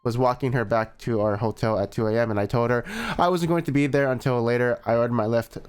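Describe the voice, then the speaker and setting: A man's voice: mid-range voice, fairly even intonation, fast talker, darkish tone, clean tone. Man skimming a text aloud with sarcastic asides. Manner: skims text, skipping parts with "blah, blah"; sarcastic asides between passages. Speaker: streamer reacting to a post. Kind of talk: reading aloud and commenting.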